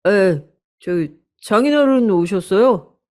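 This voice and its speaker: A woman's voice: medium pitch, lively intonation, takes it slowly, darkish tone. Woman voicing a hesitant, evasive husband. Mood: awkward. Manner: hesitant, stumbling. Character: evasive middle-aged husband, awkward.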